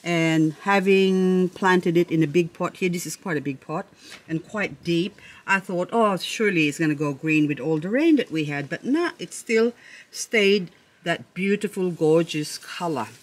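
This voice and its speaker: A woman's voice: on the low side, measured pace. A woman vlogger chatting casually about her plants, gushing and admiring, with a playful, chatty way of talking. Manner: playful, jokes with herself. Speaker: succulent-growing vlogger. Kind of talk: casual show-and-tell chat.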